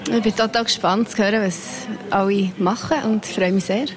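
A woman's voice: medium pitch, fairly even intonation, normal speed, music in the background. A woman musician from Bern, giving short, eager backstage remarks. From Bern, Switzerland. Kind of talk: backstage interview statement. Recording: loud crowd noise behind her.

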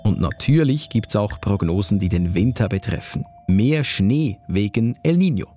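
A man's voice: on the low side, lively intonation, moderate pace, warm tone, soft background music. A man narrating a news podcast from a conversational script.

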